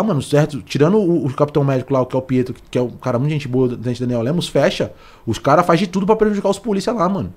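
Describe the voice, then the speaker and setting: A young Brazilian man speaks very quickly in a slightly high voice. His Portuguese has a São Paulo accent and is packed with street slang, in the loose style of a casual interview. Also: darkish tone. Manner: slangy, street-style talk full of colloquial tags. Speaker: podcast guest, former police officer. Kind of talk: casual interview chat, telling personal stories.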